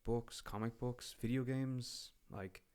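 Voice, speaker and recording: A man's voice: mid-range voice, steady tone, slow pace, a little mellow, clear, resonant tone. An Irish man, a podcast guest, talking casually and rambling with frequent ums, restarts and the odd swear word. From Ireland. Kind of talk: casual conversation.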